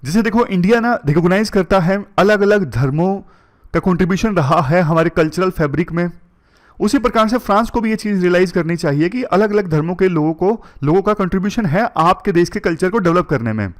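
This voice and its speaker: His voice is high, expressive, and fairly quick. He's an Indian man giving an exam-prep lecture on current affairs, taking the points one by one and blending in English terms.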